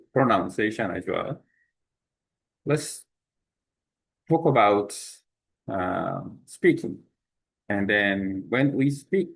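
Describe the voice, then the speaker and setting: Slow, halting Korean-accented man. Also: lowish voice, low-quality recording. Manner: halting, many fillers and restarts. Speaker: language exchange speaker. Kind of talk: unscripted talk to camera.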